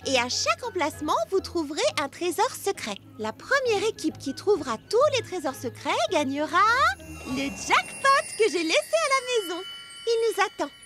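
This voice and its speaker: A woman voicing a sensible, friendly young girl who leads her friends in a French cartoon dub, speaking earnestly and clearly. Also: very high-pitched, sing-song, moderate pace, music in the background. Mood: cheerful, organizing.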